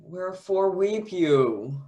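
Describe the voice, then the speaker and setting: A man's voice: sits high, expressive, slow, mellow. A man playing a humble, devoted young prince in love, declaiming courtly verse in a Shakespearean radio play. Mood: ardent.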